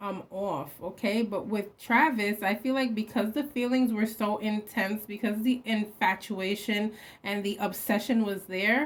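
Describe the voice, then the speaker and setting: In a New York accent, a woman speaks at a medium pitch and a fairly slow pace, with ordinary pitch variation. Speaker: psychic reader. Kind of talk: tarot reading commentary. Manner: casual, conversational with fillers.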